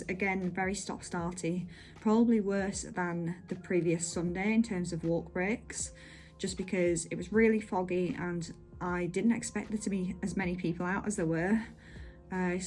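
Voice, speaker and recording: A woman's voice: fairly low pitch, a little mellow. A woman giving a casual, chatty vlog update in an informal, meandering way. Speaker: running vlogger.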